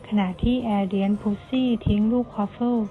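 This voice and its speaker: A woman reads a storybook aloud at a middle pitch, lively and shifting her voice for each character. The sound is thin and phone-like, with faint music under her reading. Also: brisk. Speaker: audiobook reader.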